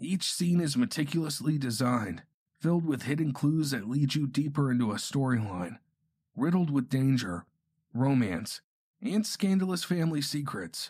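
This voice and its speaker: Speaking at a moderate pace in an American accent, a man with a fairly high, somewhat breathy voice makes very wide pitch swings while keeping very even loudness. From Florida. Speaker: true crime podcaster. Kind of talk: true-crime narration. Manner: measured, solemn storyteller; reads from a script.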